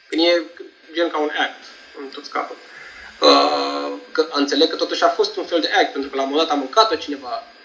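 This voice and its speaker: Male speaker at a fairly quick pace with long, frequent pauses and big swings in loudness, music in the background. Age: 30s. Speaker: podcast guest. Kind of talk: casual chat. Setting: video call.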